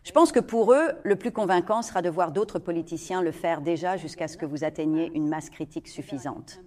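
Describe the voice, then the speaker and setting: A woman voicing the translated answers of an interview guest in an even, read-out manner. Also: lowish voice, a little fast. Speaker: dubbed voice-over of the guest. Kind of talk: translated voice-over.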